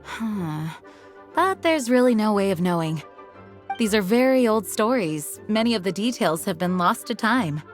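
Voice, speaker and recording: A woman voicing a composed adult woman officer who explains traditions in a formal, measured way, in a video game. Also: mid-range voice, lively intonation, lightly acted. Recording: game audio with faint music.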